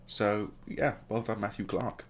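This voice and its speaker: A man's voice: on the low side, fairly even intonation, unhurried, slight background noise. A man hosting a gaming video, casually commentating the play as it happens and adding joking asides. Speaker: gaming channel host.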